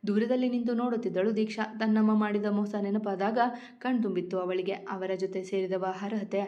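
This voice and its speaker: A woman narrating her own written story in a steady, measured reading. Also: medium pitch, muffled recording. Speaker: storyteller and author.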